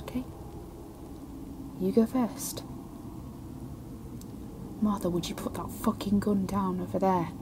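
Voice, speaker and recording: A woman's voice: mid-range voice, steady tone, slow pace, pauses often, noisy background, close to an everyday voice. A woman acting in an audio drama as a desperate, exasperated trapped scientist with a blunt, commanding manner. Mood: wary pleading.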